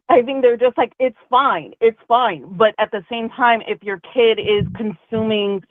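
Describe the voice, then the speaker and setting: A woman's voice: on the high side, a little slow, no echo. Woman calling in over a thin phone line. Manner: hesitant, full of restarts and "um", "like". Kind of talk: casual call-in talk.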